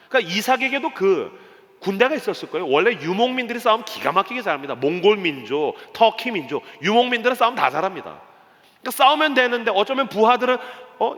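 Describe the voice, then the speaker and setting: A male pastor preaching a lively early-morning sermon in a church, dramatizing with acted voices and sound effects. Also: sits high. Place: church sanctuary. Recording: long hall reverb.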